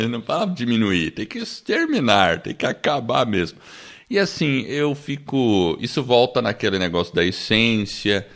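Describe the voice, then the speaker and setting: A man with a São Paulo accent talks through a book with his podcast co-host in relaxed, casual chat. His low voice has a gravelly edge. He laughs often and keeps tossing in a questioning "né?". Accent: São Paulo Portuguese. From born in the United States, raised in Brazil. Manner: chatty, laughs often, tags lines with "né?".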